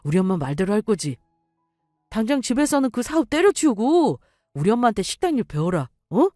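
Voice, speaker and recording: A woman's voice: a little high, very animated, fairly quick, warm tone, no echo, clean studio sound, faint music behind. A woman voicing a young man who pushes his girlfriend to give in to his mother. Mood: pushy. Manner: pleading, pushy.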